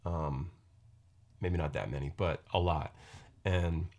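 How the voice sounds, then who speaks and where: A man in his forties with a very low, deep voice talks into a podcast microphone. He wanders from thought to thought, restarting sentences and filling pauses with ums and you-knows, in a loose, casual solo chat. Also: a little mellow. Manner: rambling, halting, many restarts and fillers. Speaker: podcast host and musician.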